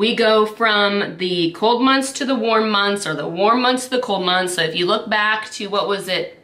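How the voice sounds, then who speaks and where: A woman speaks at a moderate pace with lively intonation and a fairly high pitch. Noticeable background noise and audible room echo are in the recording. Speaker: vlogger. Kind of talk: casual monologue vlog. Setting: at home, window closed. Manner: hesitant, filler words.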